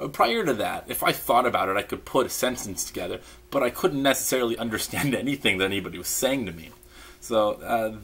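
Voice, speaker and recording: A man with a low, slightly husky voice talks to camera at home in a loose, rambling way. He trails off, restarts his sentences and fills gaps with ums while nursing a beer. The tone is easygoing and conversational throughout. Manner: relaxed, chatty, many fillers and restarts, sipping beer. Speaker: vlogger recalling mission in Japan. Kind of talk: casual rambling monologue to camera. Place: indoors at home, in pajamas.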